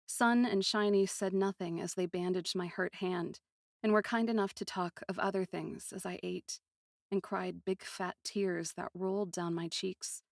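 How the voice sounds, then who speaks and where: A woman narrating a first-person fantasy story in an expressive, literary manner with deliberate phrasing. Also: mid-range voice, creaky, no room sound, clean studio sound.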